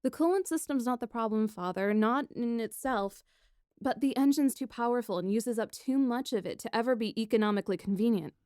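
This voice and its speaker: A woman's voice: on the high side, a little fast, dry recording, lightly acted. Woman playing witty young princess engineer, dry recording. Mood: exasperated. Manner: theatrical, expressive storytelling. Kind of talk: first-person scripted narration, fan audio fiction.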